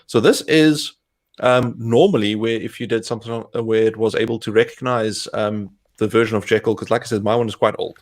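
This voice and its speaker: South African-accented young man, lowish pitch, relaxed live-demo narrator. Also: a little fast. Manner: talks through steps as he clicks, relaxed. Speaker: co-host, developer advocate.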